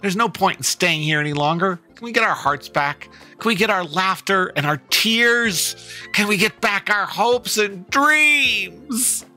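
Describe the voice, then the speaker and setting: Man playing a high, whiny fan-club girl, dramatic. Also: lively intonation, measured pace, sharp tone, faint music behind, heavily acted. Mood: sulky. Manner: plaintive, dramatic complaining. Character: sulky young women of a fan club.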